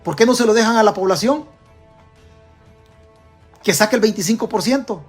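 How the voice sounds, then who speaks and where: A man with a Salvadoran Spanish accent delivers an emphatic political monologue, throwing question after question at his listeners. His voice sits high for a man and sounds husky, with faint music playing underneath. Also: expressive, moderate pace. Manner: emphatic, fires rhetorical questions at the audience. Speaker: political commentator. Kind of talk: direct-to-camera political commentary.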